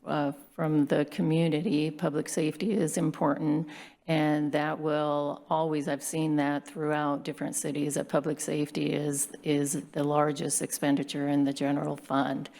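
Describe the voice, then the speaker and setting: A woman with a hoarse, very low voice presents revenue and spending figures to a city council. She talks plainly and explains each item, with frequent fillers. She is recorded in a council chamber. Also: darkish tone. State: hoarse from bronchitis. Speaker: city finance staff presenting budget. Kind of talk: budget presentation at council meeting.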